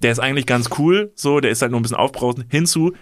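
A young man co-hosting a podcast, telling a story in an animated, colloquial, self-mocking way. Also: medium pitch, fast talker, no echo, studio quality. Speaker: podcast co-host.

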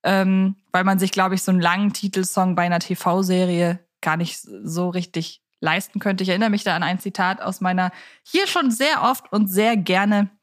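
A woman's voice: fairly low pitch, fairly even intonation, moderate pace. A woman co-hosting a podcast in casual conversation, phrasing things in a wordy, slightly formal way with hesitations. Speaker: podcast co-host.

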